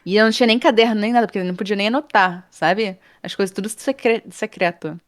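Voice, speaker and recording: A woman, a guest in an interview, telling a story in a casual, animated way and acting out the people in it. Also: medium pitch, fast, dry recording, clean studio sound. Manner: animated, acts out quoted people, laughs often. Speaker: interview guest, game art professor.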